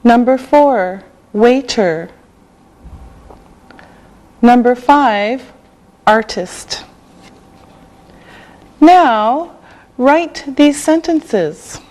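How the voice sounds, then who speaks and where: A middle-aged woman from Canada teaching English in a scripted lesson, pronouncing every word slowly and carefully. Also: a little high, lively intonation, darkish tone. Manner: slow, carefully enunciated.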